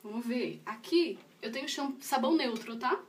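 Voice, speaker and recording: A woman's voice: fairly high pitch, normal speed, recorded from a distance. A woman, chatting casually in a home vlog and doting on her pet in baby talk while she bathes it. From Brazil. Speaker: pet owner vlogger. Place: indoors at home, bathing a pet.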